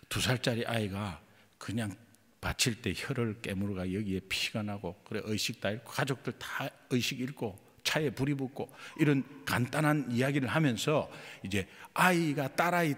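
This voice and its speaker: A man's voice: medium pitch, fairly bright tone, slightly rough, in a large hall. A male pastor preaching a sermon in a church, telling a story and acting out the dialogue. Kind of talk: sermon testimony. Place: church sanctuary.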